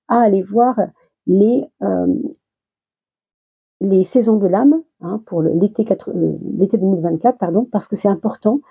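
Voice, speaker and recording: A tarot reader gives a casual reading for viewers, chatty and reassuring, though she slows down and restarts because she's recovering from a minor illness. Her medium-pitched voice is very dark and mellow with a breathy, husky edge. The audio is slightly dull, like a lo-fi home recording.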